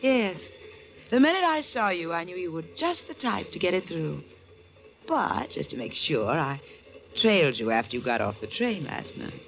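A woman's voice: lowish voice, sing-song, normal speed, creaky. An American actress playing a shrewd, self-assured female investigator in a 1940s radio drama. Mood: cool, amused.

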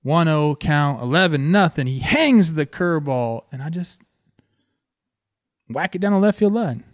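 A man in his thirties from Southern California, a former ballplayer and host, telling stories in an excited, casual way. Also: a little slow, dry recording, studio quality. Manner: excited, animated, talks with fillers like "man" and "boom". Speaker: former ballplayer hosting a show. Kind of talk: casual storytelling.

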